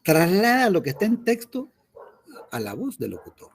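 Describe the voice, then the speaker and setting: A man's voice: high-pitched, wildly swooping pitch, moderate pace, husky. A man, a teacher lecturing his class in an online lesson, explaining patiently and often checking in with his students.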